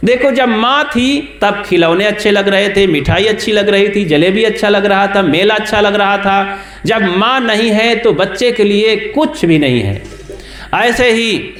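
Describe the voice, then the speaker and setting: High-voiced preacher in an echoey hall. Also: male voice, a bit bright. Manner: folksy, asks the listeners questions. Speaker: preacher at a satsang. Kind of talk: storytelling sermon.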